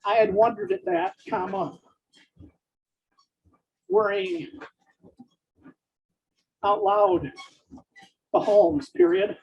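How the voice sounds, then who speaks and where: Very animated despite its husky, gravelly texture, a mid-range voice dictates fiction in halting little phrases, naming every punctuation mark aloud. The recording is dull.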